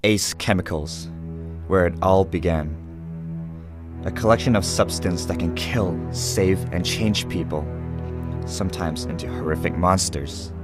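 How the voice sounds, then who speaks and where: A man narrating an audio drama in an ominous, measured, scripted style. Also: deep voice. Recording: loud music under the voice.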